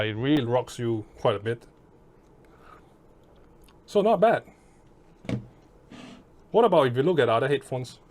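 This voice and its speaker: A man's voice: medium pitch, darkish tone, slight background noise. Blunt Southeast Asian man reviewing gear. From Southeast Asia. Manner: blunt, informal, mildly sweary. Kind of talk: casual product review.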